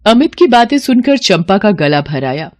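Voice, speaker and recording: A woman reading a storybook tale in steady, measured narration. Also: medium pitch.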